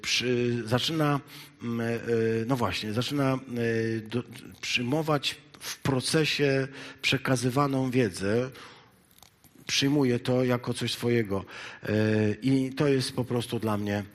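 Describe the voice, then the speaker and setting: A man preaching a sermon, shifting between loud, emphatic exhortation and quiet, halting asides full of hesitations. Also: mid-range voice, steady tone. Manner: halting, with many hesitation fillers.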